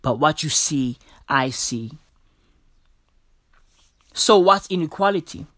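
A man's voice: on the high side, expressive, slow, fairly bright tone, no echo, studio quality. A young South African man hosting a casual podcast, talking in slang and calling the listener bro and bruv. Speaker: podcast host. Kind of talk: casual solo podcast commentary. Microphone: podcast mic.

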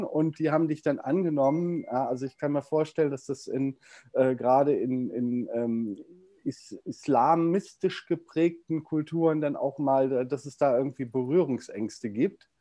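Male interviewer, halting and filler-heavy, mellow tone, dry close sound. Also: mid-range voice, no echo. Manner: hesitant, many fillers and restarts. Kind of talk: casual interview.

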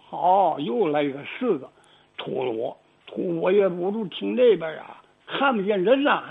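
An older man, telling stories about his own life in a folksy, animated way with many asides to the listener. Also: fairly high pitch, gravelly, husky. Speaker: storyteller. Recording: tinny phone-like radio recording.

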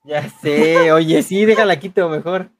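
A man with a Mexican accent hosting a casual chat in slangy, colloquial street talk, halting and often repeating himself. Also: a little high, crowd noise. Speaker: podcast host.

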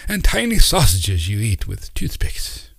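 An eccentric old uncle bubbling with whimsical excitement, as a man puts him on for a storybook. He rambles fussily, his raised voice leaping up and down. The tone is a little husky and the sound close and dry. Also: on the low side, unhurried, no room sound, exaggerated voice. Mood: excited. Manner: fussy, rambling, theatrical.

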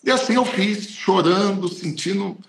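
A man's voice: sits high, a little slow, gravelly, a bit bright, slight background noise. A man, a pastor, telling a personal testimony in an emotional, emphatic way. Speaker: pastor and podcast host. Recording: roomy echo.

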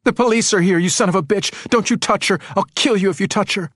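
A frantic young mother , as acted by a male audiobook narrator, fiercely protective and sharp-tongued. The voice is pushed higher and comes out emphatic and snapping, in a close, dry recording. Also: takes it slowly, no room sound. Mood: frantic rage. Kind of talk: audiobook character acting.

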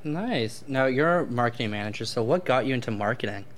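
An upbeat man hosting a workplace interview show. He talks at a mid pitch, eager and encouraging, and keeps the chat moving with quick questions. There is faint background noise under his voice. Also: animated. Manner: enthusiastic, encouraging, quick asides. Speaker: show host.

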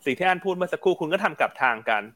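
A man's voice: high-pitched, animated, rapid-fire, sharp tone. A man hosting a live stock market talk show, chatty and upbeat, often asking viewers to write in.

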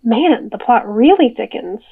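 A tinny phone line carries a fairly high-pitched female friend, played by an actress in an audio drama. She is playful and curious, chatting casually as she helps puzzle out a mystery. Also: lively intonation, a little slow, gravelly, breathy edge, no echo, exaggerated voice. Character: amused, curious female friend helping a man investigate. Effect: phone call filter. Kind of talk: naturalistic audio drama dialogue.

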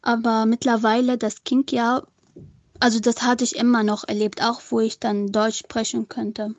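A woman's voice: on the high side, little pitch movement, normal speed, no room sound. Young Syrian woman, hesitant and earnest. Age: young adult. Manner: hesitant, many fillers, earnest. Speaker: interviewee. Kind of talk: personal testimony to camera.

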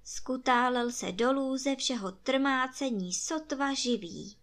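A woman storyteller reading a folk fairy tale aloud in a lively, expressive way. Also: high-pitched.

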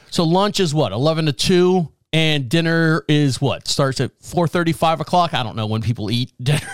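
A man in his forties with a high voice rambles through the news in casual podcast commentary, joking and laughing as he goes. He is recorded close on a dry mic. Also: no room sound. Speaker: podcast host.

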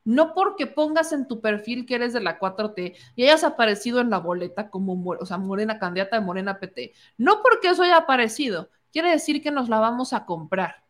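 A woman's voice: fairly high pitch, animated, a little fast, few pauses. A woman with a Mexican accent giving opinionated political commentary, indignant and sarcastic, mocking the people she quotes.

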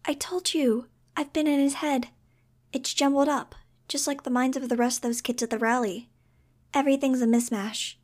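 A woman voicing an earnest young girl in an audiobook, with a light, sometimes breathy high voice. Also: fairly even intonation, moderate pace, a little mellow. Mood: weary, explaining. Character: young girl with psychic powers, weary, earnest, determined. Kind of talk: audiobook character voice.

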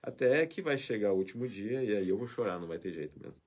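A man's voice: lowish voice, lively intonation, fast, breathy edge. A man hosting a live show, reading viewer comments in a chatty, emotional way with frequent tag questions. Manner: emotional, warm farewell talk with frequent "né?". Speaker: host.

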